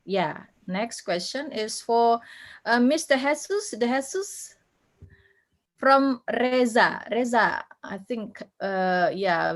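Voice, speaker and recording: A woman moderating a webinar Q&A, reading questions slowly and hesitantly. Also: mid-range voice.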